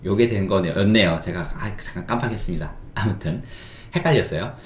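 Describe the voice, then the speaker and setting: A middle-aged man giving an English phonics lesson, drilling words slowly and patiently with questions and repetition. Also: low-pitched, a little hiss or hum. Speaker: English teacher. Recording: roomy echo.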